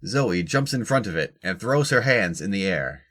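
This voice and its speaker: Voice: low voice, very animated, moderate pace, a bit bright. A narrator reading scripted story narration for an audio drama.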